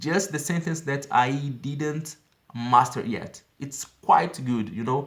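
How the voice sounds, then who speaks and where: With ordinary pitch variation and a fairly high pitch, a man talks very slowly. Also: big swings in loudness. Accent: Brazilian. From Brazil. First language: Portuguese. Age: 30s. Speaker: English learner vlogger. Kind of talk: tutorial. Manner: halting.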